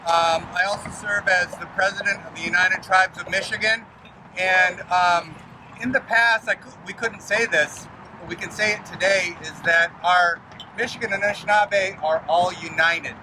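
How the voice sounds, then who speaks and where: A man, a tribal chairperson, giving a loud, joking public speech outdoors. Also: high voice, steady tone, moderate pace, background noise.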